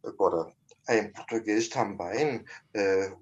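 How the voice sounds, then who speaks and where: Brief: older man, unhurried and halting, gropes for each word. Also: lowish voice, dull audio. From Germany. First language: German. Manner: deliberate, searching for words with frequent pauses. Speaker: guest, journalist. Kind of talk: radio interview chat.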